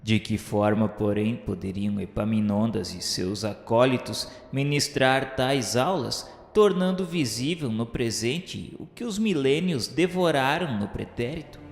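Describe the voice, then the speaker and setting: A Brazilian man playing a repentant spirit who narrates a radio serial, solemn, fervent and awestruck, declaiming in grand literary style with dramatic pauses. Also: medium pitch, creaky. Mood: solemn awe. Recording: echoey hall reverb over music. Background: music.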